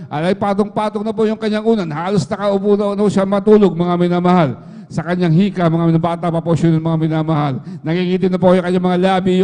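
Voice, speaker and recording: Middle-aged man testifying in church, keeps addressing the listeners, quick and monotone delivery. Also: high-pitched. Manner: fills nearly every phrase with a repeated address to the listeners. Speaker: church member giving testimony. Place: church hall. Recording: echoey church hall livestream.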